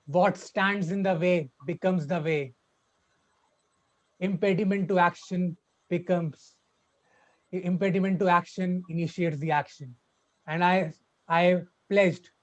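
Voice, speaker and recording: Halting young man with a stutter. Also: high voice, fairly even intonation. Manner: halting, repeats words with a stutter. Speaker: club speaker. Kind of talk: personal story speech. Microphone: video call. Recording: dull lo-fi online call audio.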